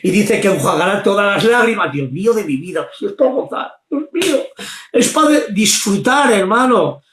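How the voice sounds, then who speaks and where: A man preaching fervently, often shouting his exclamations. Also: high-pitched, expressive, moderate pace, reverberant. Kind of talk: impassioned preaching.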